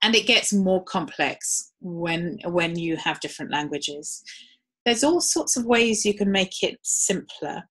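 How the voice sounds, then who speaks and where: Low-voiced woman presenting a webinar. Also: lively intonation, a little slow, a bit bright, slightly rough. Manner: conversational, frequent ums. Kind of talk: live webinar talk.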